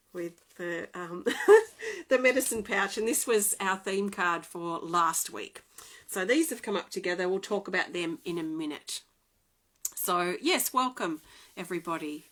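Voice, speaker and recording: A woman, excitedly and chattily reading oracle cards in a live stream from home. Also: medium pitch. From Australia. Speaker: oracle card reader.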